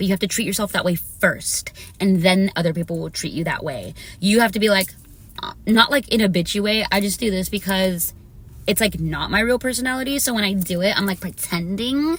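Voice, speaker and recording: Her pace fairly quick, a woman speaks at a medium pitch, somewhat breathy, with ordinary pitch variation. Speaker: spiritual reader. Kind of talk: tarot reading monologue. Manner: fast; animated.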